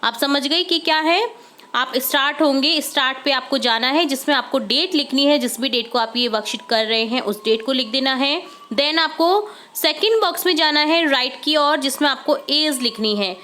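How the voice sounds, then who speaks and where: A woman teacher with an Indian accent, reading English instructions slowly and explaining each step in Hindi. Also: high voice, bright, forceful tone. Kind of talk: workbook solution lesson.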